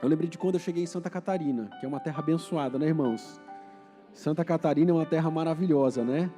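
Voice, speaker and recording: High-voiced preacher with a Paraná accent. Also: male voice, quick pace. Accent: Paraná Brazilian Portuguese, rolled R. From Paraná, Brazil. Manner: chatty and anecdotal, questions the congregation, rising to forceful exhortation. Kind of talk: sermon. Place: church hall. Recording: reverberant church hall with faint music.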